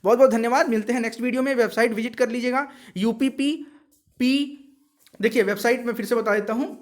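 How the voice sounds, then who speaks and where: A man's voice: extremely high pitch, fairly even intonation, fast. A man presenting an informal explainer, reading out details in an instructional way and often checking in with listeners. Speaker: presenter of exam and job notice videos.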